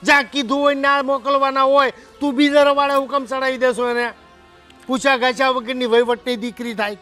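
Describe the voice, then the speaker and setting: A man playing a shouting hot-tempered farmer. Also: very high-pitched, little pitch movement, brisk, faint music behind. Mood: angry. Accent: Kathiyawadi Gujarati. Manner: shouting, scolding. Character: loud hot-tempered village farmer husband. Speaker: husband and farmer. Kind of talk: village family drama acting.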